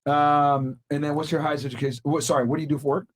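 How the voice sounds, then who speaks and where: A man's voice: a little high, steady tone, fast, slight background noise. A man hosting a podcast panel, questioning guests bluntly with many restarts. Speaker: podcast host. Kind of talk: casual panel interview.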